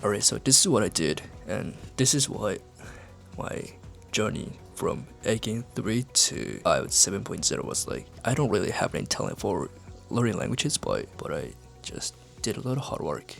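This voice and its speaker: Young man, Japanese accent, low pitch, lively intonation, halting casual vlog talk. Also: gravelly, faint music behind. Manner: halting, filler-heavy, asks "right?" often. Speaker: English-learning YouTuber.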